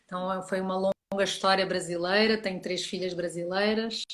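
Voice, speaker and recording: A woman from Portugal with a light European Portuguese accent, introducing herself as a guest coach in a friendly, relaxed way. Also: mid-range voice, brisk. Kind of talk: casual interview talk.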